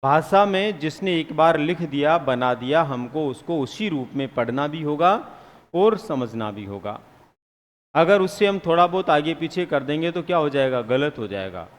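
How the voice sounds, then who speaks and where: A man's voice: a little high, animated, normal speed, in a large hall. A man teaching psychology in a live classroom lecture, questioning students and answering his own questions, sometimes teasing them.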